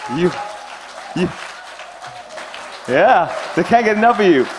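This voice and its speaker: With crowd noise behind him, a man speaks in an animated tone with ordinary pitch variation. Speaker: event emcee. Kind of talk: live event hosting. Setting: stage with audience.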